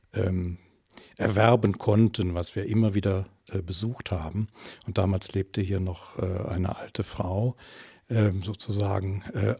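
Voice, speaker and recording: An older man with a husky, rather low voice, answering interview questions slowly and thoughtfully. He hesitates often and restarts his sentences. The sound is dry and close, with no room around it. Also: a little mellow, no echo. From Germany, Eifel region. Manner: hesitant, many fillers and restarts. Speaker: interview guest, social worker.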